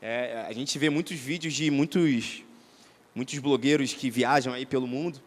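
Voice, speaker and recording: A man's voice: mid-range voice, normal speed. A man with a Brazilian Portuguese accent giving a conversational, didactic teaching talk to a church audience, often checking that listeners follow. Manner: conversational and didactic, many tag questions. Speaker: church seminar speaker. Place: church hall. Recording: reverberant hall.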